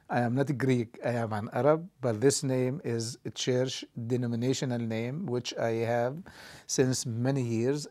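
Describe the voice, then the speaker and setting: A middle-aged man whose first language is Arabic, answering interview questions in English with many halting pauses. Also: medium pitch, darkish tone. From Israel. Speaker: interview guest, theology dean.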